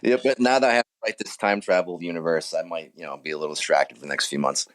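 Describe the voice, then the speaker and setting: A man's voice: low voice, steady tone, quick pace, a bit bright, no echo. A man speaking informally and modestly as an author being interviewed in a casual chat.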